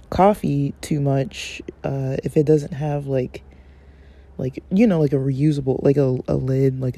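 Slow, dark-voiced man, raspy from sleep. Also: fairly high pitch. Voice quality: rambling, many fillers. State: raspy morning voice. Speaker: podcast host. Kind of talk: casual morning recap.

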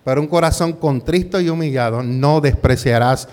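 Pastor with a somewhat high voice. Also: male voice, normal speed, a little mellow. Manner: peppers talk with rhetorical questions and "¿verdad?"; drops English words into Spanish. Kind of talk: conversational sermon with personal story.

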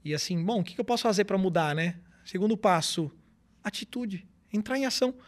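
A man's voice: high voice, lively intonation, brisk. A man being interviewed as a guest on a podcast, a motivational speaker explaining his ideas in earnest steps. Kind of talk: podcast interview, casual conversation.

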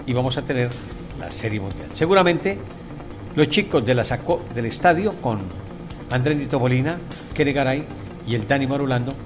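A man's voice: medium pitch, expressive, moderate pace. A man presenting a sports radio segment, handing over with formal, friendly patter. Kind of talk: broadcast sports segment link. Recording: clear music bed underneath.

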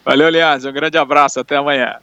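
A man's voice: fairly high pitch, fairly even intonation, fast talker, vocal fry, pushed and bright, clear, resonant tone, dry recording, muffled recording. A man with a Brazilian accent giving a conversational live radio report on match details.

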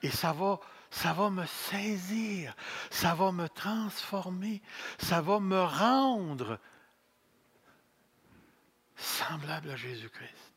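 A man in his sixties with a Québécois accent, preaching a sermon as pastor. He speaks deliberately, repeats key phrases and jokes about himself. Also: high voice, expressive, a bit bright, husky. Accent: Québécois French. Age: 60s. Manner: slow, deliberate preaching with repeated phrases and self-mocking humor.

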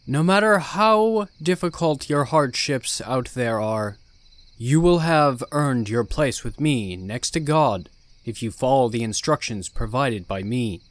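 A man voicing a charismatic male cult prophet in his forties, preaching slowly with an authoritative yet kind tone. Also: mid-range voice, no echo. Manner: slow, authoritative sermon-like delivery.

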